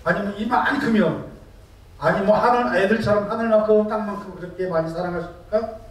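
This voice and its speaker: A man's voice: high-pitched, brisk. A male pastor preaching a sermon, firing rhetorical questions at the congregation and telling stories with animation. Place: church sanctuary. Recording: echoey church hall, distant mic.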